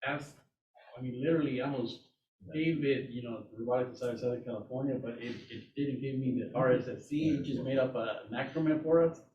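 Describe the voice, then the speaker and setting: A man's voice: mid-range voice, quick pace, a little mellow. A man making casual comments as a club member from the room. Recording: echoey, distant, dull, faint room noise.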